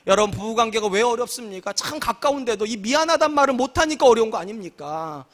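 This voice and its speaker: A man's voice: very high voice, animated, fast, fairly bright tone. A man in his forties, a senior pastor, preaching a sermon in a humorous, conversational way with acted quotes. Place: church sanctuary.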